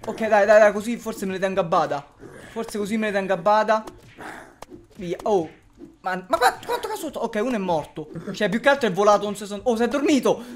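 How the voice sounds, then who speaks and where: A man with a high, expressive voice gives casual let's-play commentary on a survival game, talking a little fast. He laughs often, swears a lot, and yells and curses at the zombies.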